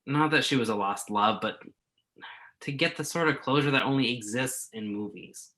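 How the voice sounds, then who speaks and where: A man's voice: medium pitch, moderate pace, sharp tone, close to an everyday voice. A man acting the part of an earnest, wordy, self-doubting journalist in a staged play reading. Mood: earnest, apologetic. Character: remorseful male entertainment journalist, self-doubting, argumentative, earnest.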